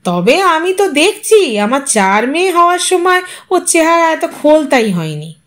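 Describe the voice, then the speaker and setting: A woman's voice: high voice, very animated, unhurried, voice pushed up. A woman voicing a scrawny, money-grubbing poor husband who fawns, whines and haggles in an audio story. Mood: obsequious whining. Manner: obsequious, whining, haggling.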